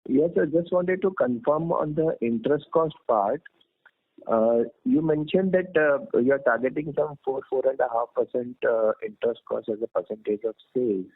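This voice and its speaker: A man's voice: mid-range voice, normal speed. A man with an Indian accent asking questions as an analyst on an earnings call. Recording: narrow tinny phone line.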